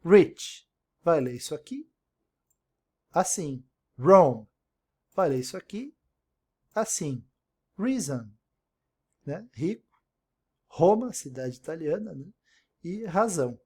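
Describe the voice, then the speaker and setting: A man's voice: fairly high pitch, big pitch swings, unhurried, long pauses, dark tone, husky. A man teaching an English lesson in Portuguese, explaining step by step and repeating example words, often checking in with "né?". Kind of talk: recorded online language lesson.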